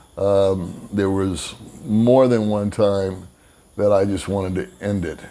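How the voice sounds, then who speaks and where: A man speaks very slowly in a fairly low voice with fairly even intonation, and the room echo is audible. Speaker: expat retiree. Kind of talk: interview. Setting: in person at host's place. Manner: halting.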